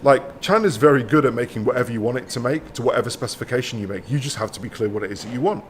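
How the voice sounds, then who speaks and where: A man's voice: medium pitch, very fast. Chatty man, faint background hiss. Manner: chatty, reasoning aloud with many "like"s and "right?"s. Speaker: guest, professor. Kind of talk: casual conversation.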